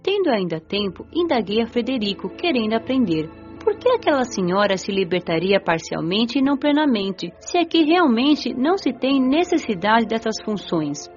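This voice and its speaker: Actress for curious young female spirit narrator; expressive, animated pitch, earnest storytelling; lo-fi audio over music. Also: moderate pace, few pauses. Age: young adult. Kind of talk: scripted first-person audiobook narration.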